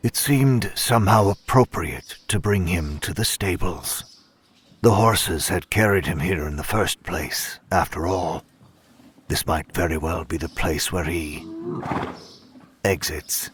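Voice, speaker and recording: An actor playing a composed, polite caretaker, narrating a horror audio drama in a grave, measured manner. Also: male voice, low voice, slightly rough, heavily acted. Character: composed, somber male caretaker doing grim duty.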